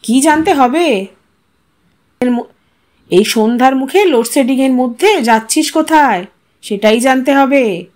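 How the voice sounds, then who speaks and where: A woman's voice: high-pitched, lively intonation, measured pace, long pauses, a little mellow. A woman reading a literary short story aloud as a scripted audio narration.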